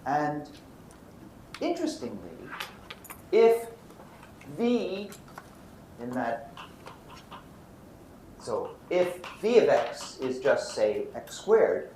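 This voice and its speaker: Animated American man lecturing, roomy echo. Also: fairly high pitch, extremely slow, long pauses. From Brooklyn, United States. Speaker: physics lecturer. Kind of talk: lecture with anecdotes. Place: lecture room. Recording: roomy echo, faint background noise.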